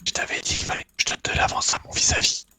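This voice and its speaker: A man whispering casual gaming chat close to the microphone in a terse, deadpan way. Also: rapid-fire, no room sound. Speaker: duo gaming partner. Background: computer keyboard typing.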